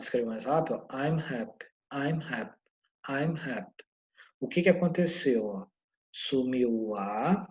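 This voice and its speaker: Man, Brazilian Portuguese accent, teacher, casual explaining, slow drawn-out examples, dull recording. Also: medium pitch, dark tone. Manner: chatty, checks in often with the learner; drawls English examples slowly, sometimes dropping to a whisper. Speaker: English teacher.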